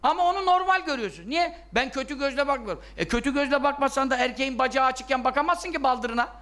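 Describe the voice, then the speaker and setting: A man's voice: very high-pitched, expressive, fast, pushed and bright. A man giving a religious lesson in an emphatic, scolding way, full of rhetorical questions that he answers himself. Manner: rhetorical questions, acts out objections. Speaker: religious teacher.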